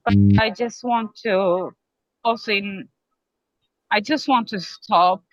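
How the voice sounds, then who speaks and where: A tired, exhausted woman calling in to a spiritual teacher over a bad connection, speaking haltingly and apologetically and repeating her words. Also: mid-range voice, no echo, soft background music. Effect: bad call connection. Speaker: caller asking a spiritual teacher. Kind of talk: hesitant questions on a call. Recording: dull, dry call line.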